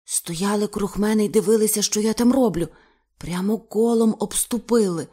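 A woman's voice: medium pitch, normal speed, warm tone, husky, close to an everyday voice. A woman voicing a terrified male pearl diver who pleads in breathless, panicked bursts. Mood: frightened.

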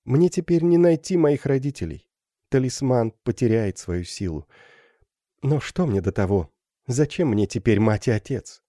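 A shy young Gypsy girl in love, as a male audiobook reader puts her on. She speaks softly and pleads, her voice lifted well above the reader's own, gentle and lively in its rise and fall, close and dry. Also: mid-range voice, normal speed, no room sound, voice pushed up, natural voice. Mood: tender, pleading. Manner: soft, pleading, lightly raised voice.

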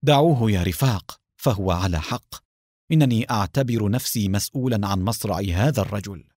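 A man voicing a grave male team leader who speaks low and subdued, in a storybook reading. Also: animated, a little fast, a little mellow, dry recording, clean studio sound. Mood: resigned.

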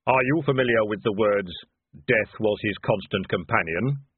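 A man voicing a calm, solemn personification of Death, speaking slowly and evenly. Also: lowish voice, breathy edge, no room sound, phone-quality sound. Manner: measured, solemn.

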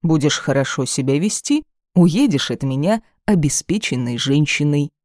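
A reader voicing a domineering, cruel male caliph who speaks slowly and menacingly in an audiobook. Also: fairly high pitch, lively intonation, a little mellow, dry recording, clean studio sound, natural voice. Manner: menacing, slow and commanding. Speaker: desert ruler holding the heroine captive.

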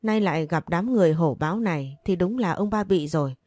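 A woman reading a story aloud in a steady, scripted narration. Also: fairly low pitch, fairly quick. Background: faint music.

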